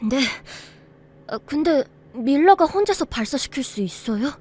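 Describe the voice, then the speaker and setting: High, animated young survivor. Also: female voice, unhurried. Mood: shy, eager. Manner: hesitant, expressive, exclamatory. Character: anxious, eager, naive young human survivor. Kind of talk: Korean audio drama acting. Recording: faint background noise.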